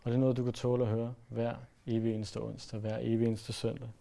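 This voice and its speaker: A male preacher delivers an earnest sermon. His voice is gravelly and mellow, and he pushes some phrases hard before easing into quiet, softer lines. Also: medium pitch, level tone. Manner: earnest, rises to emphatic then drops to soft.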